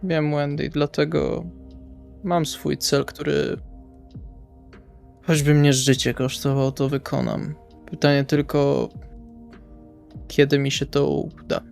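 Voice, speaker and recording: A man playing a brooding, fatalistic male vampire in a role-playing audio drama, with a resigned, deliberate way of talking. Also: a little high, level tone, gravelly, darkish tone, faint music behind. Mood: grim, resolute. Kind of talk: in-character role-play dialogue.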